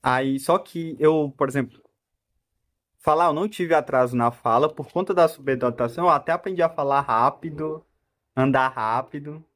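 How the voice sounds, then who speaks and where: A man's voice: a little high, moderate pace, fairly bright tone. A man in his twenties with a Brazilian Portuguese accent, talking in a casual, rambling monologue full of restarts. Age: 20s. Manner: talkative and rambling, with self-interrupting restarts and frequent laughs. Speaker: vlogger.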